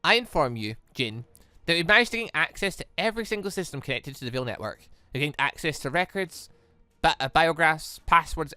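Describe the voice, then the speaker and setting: A man voicing a sly, menacing woman villain in a visual novel, calm, measured and teasing. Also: a little high, no echo. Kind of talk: visual novel read-aloud.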